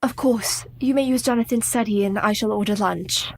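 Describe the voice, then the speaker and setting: An actress in a radio play playing a devoted, capable young wife who speaks in a polite, earnest and formal way. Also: female voice, medium pitch, moderate pace, natural voice.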